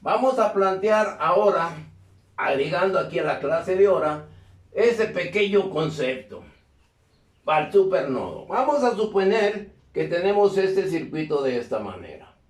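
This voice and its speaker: A male teacher giving a live electronics class, often pausing to ask students if they follow. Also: sits high, very animated. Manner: constantly checks in with questions to the class. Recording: echoey classroom.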